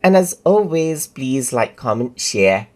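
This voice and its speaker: Man talking through a software tutorial. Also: mid-range voice, sing-song, slow pace, background noise. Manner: casual, repetitive step-by-step explaining with fillers. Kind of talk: screen-recorded tutorial narration.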